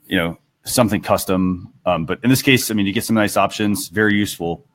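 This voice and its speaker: A man with a somewhat low voice hosts a casual talk show. He explains things in a conversational way, speaking to both listeners and the panel. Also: fairly quick, fairly bright tone, a little hiss or hum. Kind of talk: casual presentation of tools and tips.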